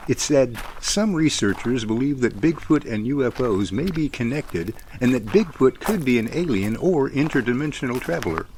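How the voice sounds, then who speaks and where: A man playing a cautious, thoughtful character in conversational, measured audio drama dialogue. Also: medium pitch, a little hiss or hum, lightly acted. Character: thoughtful, cautious man chatting with his friend.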